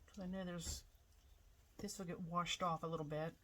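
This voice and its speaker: Relaxed woman with a low voice. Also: normal speed, low-quality recording. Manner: chatty, relaxed, thinking aloud with fillers. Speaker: pottery artist demonstrating glazing. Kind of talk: casual demonstration. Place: home pottery studio.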